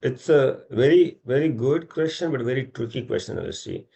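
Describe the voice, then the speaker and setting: A middle-aged man with an Indian accent and a gravelly, creaky voice. He speaks as a company executive on an investor call, informal and rambling, adding small tag questions as he explains. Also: medium pitch, big pitch swings, normal speed, mellow.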